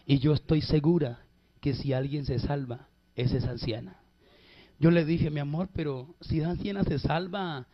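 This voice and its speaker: A fairly high-voiced man preaching with emphatic, drawn-out phrases, telling his own testimony to a congregation. The recording is dull and lo-fi, with the top end rolled off. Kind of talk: sermon testimony.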